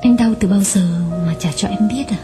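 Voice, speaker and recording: A man reading aloud voices a grieving woman at her old lover's sickbed, speaking softly with a choked, pleading tone. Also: sits high, moderate pace, over music, voice pushed up. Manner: soft, choked, pleading, at times whispered. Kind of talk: audiobook reading.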